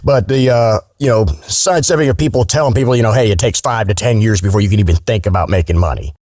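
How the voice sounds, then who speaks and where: A man's voice: fairly low pitch, fast, a little mellow, no room sound, clean studio sound. An American man talking casually as an interview guest, with a blunt, salty, informal way of speaking. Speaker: guest, video game voice actor.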